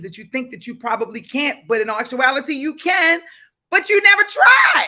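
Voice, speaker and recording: A woman's bright, sharp, animated voice with very wide pitch swings, in a Baltimore accent. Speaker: business coach. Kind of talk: motivational livestream talk.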